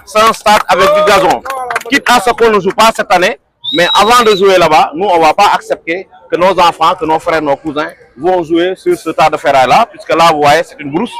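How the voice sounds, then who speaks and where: A man's voice: high-pitched, fairly even intonation, fairly quick, fairly bright tone, rough recording. A man making firm, demanding statements at a protest. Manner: firm, demanding, leads a chant. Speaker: protester speaking to press.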